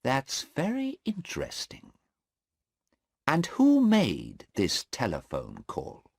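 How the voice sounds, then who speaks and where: A man voicing a sharp defence lawyer questioning a witness. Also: mid-range voice, wildly swooping pitch, slow, vocal fry, no room sound, studio quality, pitched above the performer's own voice, full character voice. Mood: pressing.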